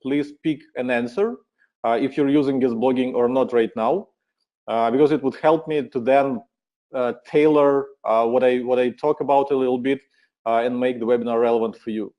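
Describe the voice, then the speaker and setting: A man with a Ukrainian accent presenting a webinar in a relaxed, friendly way, with many filler uhs. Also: medium pitch, normal speed, highs cut off.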